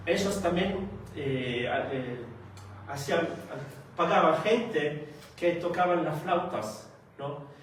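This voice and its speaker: A fairly high-voiced man preaches in an unhurried, halting way, pausing often and asking his listeners questions. He sounds far from the mic, and his voice bounces around a very echoey meeting hall. Faint room ambience sits underneath. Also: slight background noise. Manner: slow and halting, with frequent hesitations and rhetorical questions. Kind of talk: sermon.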